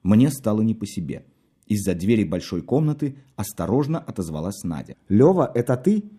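A man reading a story aloud, expressive and wry in his storytelling. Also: on the low side, fairly quick, slightly rough. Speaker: narrator. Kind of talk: audiobook narration.

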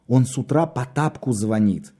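A man's voice: mid-range voice, normal speed, dark tone, close to an everyday voice. A man voicing an anxious, tearful young woman who talks in a fretful, pleading way.

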